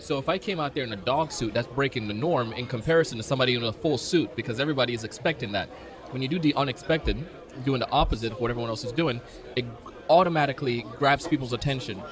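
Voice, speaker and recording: A man talks at a very fast pace with a medium pitch. Crowd noise can be heard in the background. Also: ordinary pitch variation. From Jamaica. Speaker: event emcee. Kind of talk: casual interview chat.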